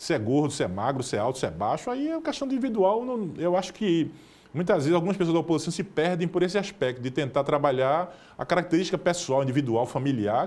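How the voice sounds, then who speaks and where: Very wide pitch swings mark this delivery, spoken at a very fast pace. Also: man, high pitch for a man. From Brazil, Recife (Pernambuco); Pernambuco, Brazil. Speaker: state politician. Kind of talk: TV interview. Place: studio. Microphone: lapel.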